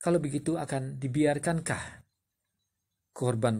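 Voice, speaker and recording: Speaking at a moderate pace, a man uses a dark, mellow, somewhat breathy tone that is dramatic and solemn, with lively intonation. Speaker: narrator of an epic retelling. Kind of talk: scripted narration of a mythic epic, with dialogue read in character. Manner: dramatic, solemn storyteller pacing.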